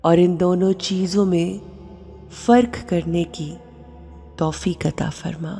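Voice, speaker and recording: A woman leading a guided meditation and prayer, speaking softly in short, measured phrases with long pauses. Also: fairly low pitch, steady tone, vocal fry, husky. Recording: long reverb with music bed. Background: music.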